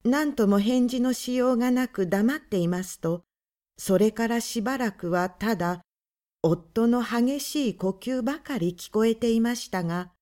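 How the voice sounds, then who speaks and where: Calm woman reading a literary story. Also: on the high side, measured pace. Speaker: audiobook narrator.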